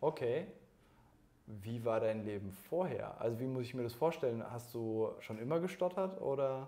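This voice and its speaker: A man's dark, mellow voice moves at a moderate pace with lively intonation. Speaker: interviewer. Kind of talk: interview questions. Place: office. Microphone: lapel.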